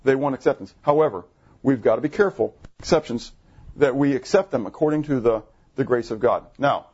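Husky animated preacher man. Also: brisk, muffled recording. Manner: animated, asks the congregation questions; jumpy pitch, bursts high when excited. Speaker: pastor. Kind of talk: sermon. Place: church assembly room.

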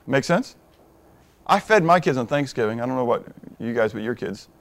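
A middle-aged man preaching a sermon in a conversational way, asking the congregation questions and moving from hushed asides to emphatic points. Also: mid-range voice, animated, moderate pace. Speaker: pastor.

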